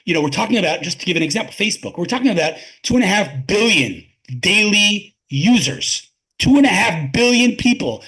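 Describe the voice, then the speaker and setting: With a high-sitting, fairly bright and slightly rough voice, this man is a tech advisor being interviewed on a podcast. He talks emphatically and conversationally, frequently repeating words at the start of his sentences.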